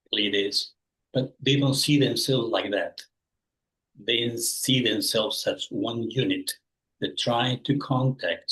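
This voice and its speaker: A man's voice: on the low side, a bit bright, low-quality recording. A man in his sixties from Peru, answering interview questions and rephrasing as he searches for words. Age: 60s. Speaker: guest.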